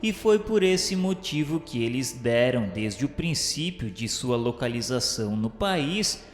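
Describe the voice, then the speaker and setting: A man's voice: mid-range voice, sing-song, unhurried. Solemn Brazilian male narrator in heavy reverb. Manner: solemn, formal, declamatory. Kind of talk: solemn scripted radio drama narration. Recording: echoey long reverb, music underneath. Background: music.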